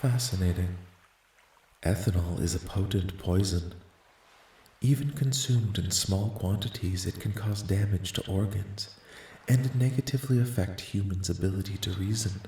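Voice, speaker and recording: A man voicing a calm, curious alien in an ASMR roleplay, speaking softly with formal, detached, precise wording. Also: low voice, normal speed, echoey room, slight background noise. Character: calm, curious, clinical male alien studying human dreams. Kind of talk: soft-spoken ASMR roleplay, scripted.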